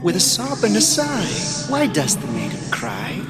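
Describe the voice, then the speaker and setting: Sly, sing-song trickster creature, swooping slowly. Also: male voice, sits high, huge pitch swings, gravelly, heavily acted. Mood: sly sweetness. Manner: theatrical, sing-song, coaxing in rhyme. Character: sly menacing rhyming trickster creature, strange little man. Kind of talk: fantasy audio drama acting. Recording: voice under loud music.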